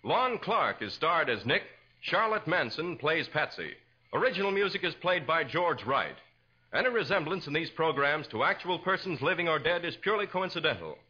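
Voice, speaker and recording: A man's voice: on the high side, sing-song, moderate pace, pushed and bright, husky. An American man announcing on 1940s radio with a polished, emphatic salesman's delivery. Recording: dull, muffled 1940s radio recording.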